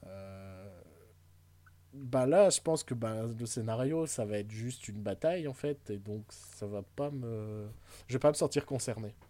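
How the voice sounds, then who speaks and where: This podcast co-host talks about films in a casual, rambling way, hesitating often and tossing in fillers and jokes. His voice is medium in pitch, dark in tone, and a little slow.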